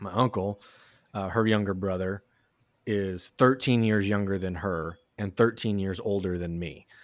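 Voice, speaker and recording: At a moderate pace, a man talks in an ordinary speaking voice. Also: fairly low pitch for a man. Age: 30s. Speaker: podcast co-host. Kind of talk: casual chat. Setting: video call.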